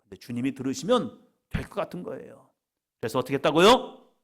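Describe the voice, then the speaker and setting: Dramatic Korean pastor with lively pitch. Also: male voice, fairly quick. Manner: dramatic, swings from loud cries to quiet asides; leads the congregation in call-and-response. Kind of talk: lively evening worship sermon.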